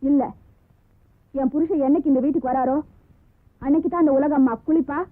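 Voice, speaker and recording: A woman's voice: high-pitched, fairly even intonation, a little fast, lightly acted. A woman playing a stubborn young village wife. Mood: defiant. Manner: defiant, sharp retorts. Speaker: film actress. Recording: tinny lo-fi old film sound with music.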